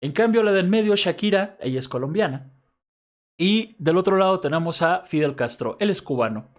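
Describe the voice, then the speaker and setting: Mexico City professor lecturing, fairly high voice. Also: male voice, expressive, normal speed. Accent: Mexico City Spanish. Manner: explanatory, checks in often with "right?" tag questions. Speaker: university professor. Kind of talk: recorded class lecture.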